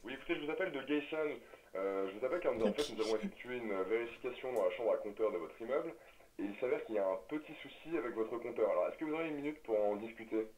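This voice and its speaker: Un homme au téléphone pour un canular, au débit hésitant et un peu récité. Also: male voice, medium pitch, expressive, quick pace, a little mellow, slight background noise, close to an everyday voice. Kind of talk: prank phone call recording. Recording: dull lo-fi audio.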